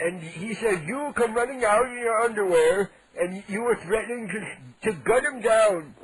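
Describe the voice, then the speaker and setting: A man's voice: sits high, moderate pace, lightly acted, poor audio. A man playing a cranky, indignant 87-year-old neighbor on a prank call, making blustering threats with mock-polite outrage. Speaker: prank caller.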